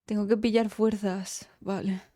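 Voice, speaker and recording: A woman's voice: mid-range voice, little pitch movement, a little slow, dark tone, dry recording, clean studio sound. A woman with a Spain Spanish accent chatting casually on a live stream, teary after crying, emotional and rambling and swearing freely. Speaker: game streamer.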